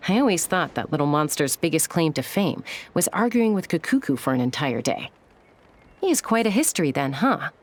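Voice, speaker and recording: A woman's voice: sits low, very animated, normal speed. A woman voicing a grounded tribal woman in a video game who recounts her people's legends in a thoughtful, dry way.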